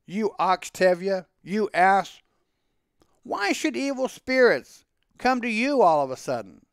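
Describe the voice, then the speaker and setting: A man acting a pleading, animated pious Jewish milkman. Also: sits high, moderate pace, smooth, no echo, studio quality, pitched above the performer's own voice. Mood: self-scolding. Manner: declamatory, rhetorical. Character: poor pious Jewish milkman, wry, pleading, long-winded.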